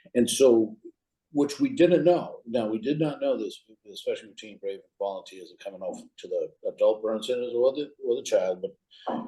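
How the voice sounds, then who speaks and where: At a moderate pace, a man talks with a Boston accent. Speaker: firefighter foundation director. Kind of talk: Q&A answer in webinar. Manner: halting, many fillers.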